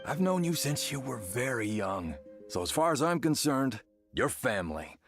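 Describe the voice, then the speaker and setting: A chatty, animated kindly villager. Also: male voice, medium pitch, moderate pace, creaky. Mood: warm, caring. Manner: rambling, animated storytelling with sighs. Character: chatty, kindly married village man, henpecked and generous. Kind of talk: video game voice acting. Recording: game music behind the voice.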